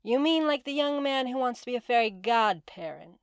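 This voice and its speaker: A woman playing a stern, imperious Titaness who speaks in a measured, formal, curt way in a fantasy audio drama. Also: fairly high pitch, expressive, clear, resonant tone. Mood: businesslike.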